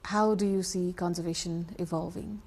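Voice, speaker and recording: A woman from Nepal hosting a broadcast interview, asking brief, polished questions in a calm manner. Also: on the low side, moderate pace. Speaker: TV interviewer host.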